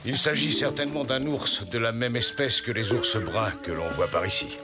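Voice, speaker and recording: A man playing a calm, wise old tribal sage in a cartoon, explaining thoughtfully and expressively. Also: medium pitch, normal speed, close to an everyday voice. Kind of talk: animated cartoon dialogue. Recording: music behind the voice.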